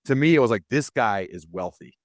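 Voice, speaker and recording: A man's voice: mid-range voice, expressive, a little fast, dry recording, clean studio sound. A man hosting a podcast interview in a casual, chatty style.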